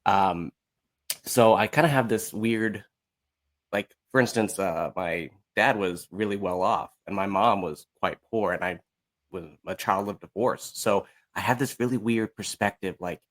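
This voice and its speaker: A man's voice: fairly low pitch, measured pace, a bit bright. A man in his thirties with an American accent, chatting informally and reflectively as an interview guest. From Las Vegas, United States. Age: 30s. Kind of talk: casual chat.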